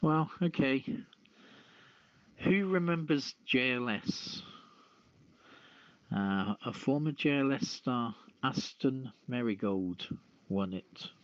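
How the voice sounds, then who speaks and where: A man's voice: medium pitch, animated, slow, long pauses, no room sound. A man casually hosting a quiz as the question master. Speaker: quiz host. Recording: dull lo-fi dry audio.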